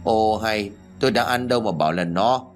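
A man voicing a confused, stubborn elderly village husband who flatly denies what he has just done. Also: on the low side, normal speed, faint music behind, natural voice. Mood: grumbling. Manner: blunt, deadpan denials.

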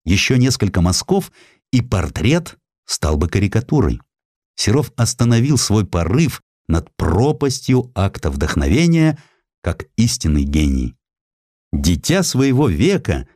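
A man reading a historical essay as a dramatic audiobook narrator, with expressive, measured literary phrasing into a close studio mic. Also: on the low side, no room sound. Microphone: close studio microphone.

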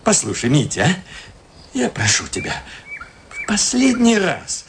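A high-pitched, blustering, irritable husband. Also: male voice, huge pitch swings, slow pace, a little hiss or hum, full character voice. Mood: pleading. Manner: hesitant, spluttering, theatrical outbursts. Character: irritable, self-pitying middle-aged husband, pleading and blustering. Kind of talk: Russian radio play acting.

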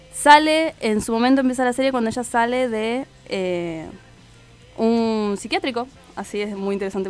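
A woman's voice: on the high side, clean tone. A woman hosting a radio show, chatting casually with many fillers and self-corrections. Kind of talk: casual radio chat about a TV series.

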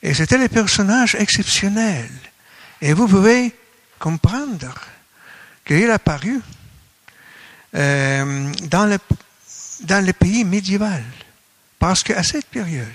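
A man from Russia with a Russian accent gives a conference lecture in non-native French, halting as he searches for words. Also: high voice, lively intonation, a bit bright. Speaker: academic speaker at a colloquium.

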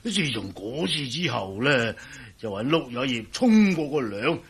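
An actor in a Cantonese radio drama playing a superstitious, fussy old butler who grumbles in a raspy voice and a Cantonese accent. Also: male voice, medium pitch, very animated, a little slow, exaggerated voice. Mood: grumbling.

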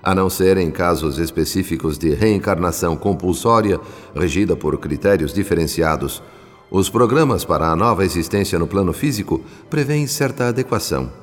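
A male actor with a Brazilian accent playing an earnest, reverent spirit who narrates a radio drama in a solemn, measured, formal way. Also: sits low, expressive. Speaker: narrator character. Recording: long reverb with music behind. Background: music.

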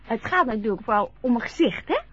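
An actress playing a chatty, eager young woman carer in a radio play, with a husky, breathy voice. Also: fairly high pitch, animated, fast, a bit bright. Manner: chatty, eager, a little bossy. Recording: dull lo-fi radio play recording.

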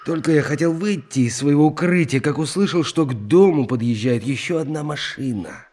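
An actor in an audio play voicing an earnest, gallant young unlucky artist who plays sleuth, telling his story theatrically with expressive pauses. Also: a little high, soft background music, natural voice. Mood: eager recounting. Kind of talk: theatrical audio drama acting.

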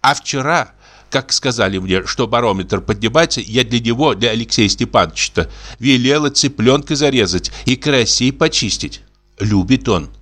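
A man's voice: mid-range voice, lively intonation, normal speed, a bit bright. A man reading aloud and voicing an elderly mother who frets, sighs and calls on God. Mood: fretful. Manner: sighing, fussing, prayerful exclamations. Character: fretful elderly mother, pious and doting.

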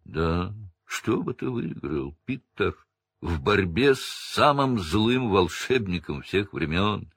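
Brief: male narrator plays a seething wizard, low and rough, quiet menace. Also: sing-song, slow pace, no room sound, clean studio sound, heavily acted. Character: furious, bitter escaped wizard, adult man.

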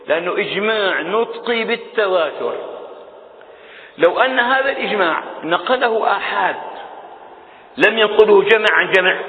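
A man giving a religious lesson, explaining step by step and asking rhetorical questions. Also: high voice. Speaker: Islamic scholar teaching a creed text. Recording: tinny phone-like sound in a reverberant hall.

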